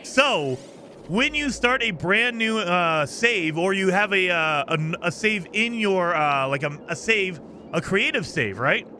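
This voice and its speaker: A little slow but lively in intonation, this man's high, bright, forceful voice drives his live game stream. He chats happily, thanks viewers by name, and explains the rules, sounding a bit scratchy after days of streaming, in casual stream chat and commentary.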